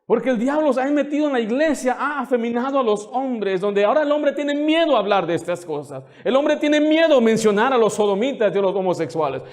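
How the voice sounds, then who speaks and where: Male pastor with a high voice preaching a fiery sermon, scolding and full of rhetorical questions. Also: darkish tone. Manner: indignant, scolding.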